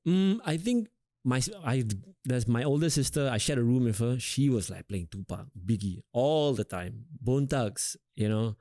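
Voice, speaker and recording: A young adult man from Singapore with a Singaporean English accent, a rapper talking casually in an interview, relaxed and rambling with lots of fillers. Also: medium pitch, normal speed, no room sound, studio quality.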